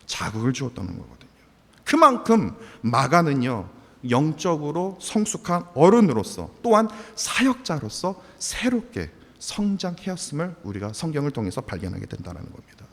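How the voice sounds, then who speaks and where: A man's voice: on the high side, sing-song, moderate pace. A man in his forties, a pastor, preaching a sermon and putting emphatic rhetorical questions to his congregation. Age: 40s. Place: church sanctuary. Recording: long hall reverb.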